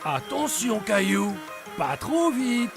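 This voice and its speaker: An actor voicing a kindly older grandfather in a children's cartoon, gentle, reassuring and playfully teasing. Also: medium pitch, big pitch swings, slow, over loud music. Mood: encouraging, cautioning.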